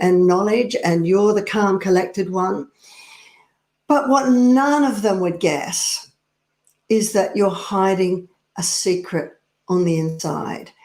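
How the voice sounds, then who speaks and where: A middle-aged woman coaches the listener in a slow, deliberate, confiding way, speaking as if face to face. Her voice sits at an ordinary pitch for a woman. The room around her rings with a noticeable echo. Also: a little mellow. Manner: slow, earnest and confiding, addressing the viewer directly. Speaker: personal power coach. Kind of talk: direct-to-camera coaching talk. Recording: roomy echo.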